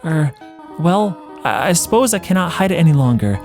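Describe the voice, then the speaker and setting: A man voicing a gentle, doting motherly woman monster from a video game, with a hesitant, fussing, tender manner. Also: on the high side, big pitch swings, normal speed, faint music behind, pitched above the performer's own voice. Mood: tender, worried. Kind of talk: video game character read-along.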